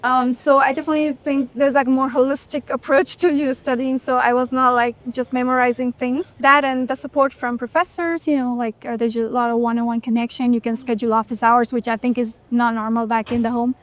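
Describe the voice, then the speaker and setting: A young woman from Nepal, a software engineer guest, talking in an easygoing way with lots of "like" and "you know". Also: a little high, flat delivery, brisk, few pauses. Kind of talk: casual interview chat.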